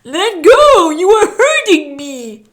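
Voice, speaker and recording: A woman's voice: extremely high pitch, sing-song, slow pace, fairly bright tone, voice pushed up, exaggerated voice. A woman voicing a polite, naive and insatiably curious young elephant child in a children's story, earnest and breathless. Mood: pained, nasal.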